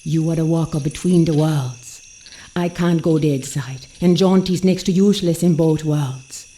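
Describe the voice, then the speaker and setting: An actress voicing a commanding, seductive voodoo priestess in a video game, a mysterious mentor with a portentous, folksy way of talking. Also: female voice, low voice, measured pace, warm tone, a little hiss or hum. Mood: grave, urgent. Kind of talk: dramatic game cutscene acting.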